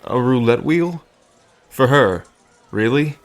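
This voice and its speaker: A man's voice: medium pitch, animated, slow. A man playing an awkward, wry bartender and reluctant sidekick in an audio drama, hesitant and given to muttered asides. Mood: wry, exasperated. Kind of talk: dramatic audio roleplay acting.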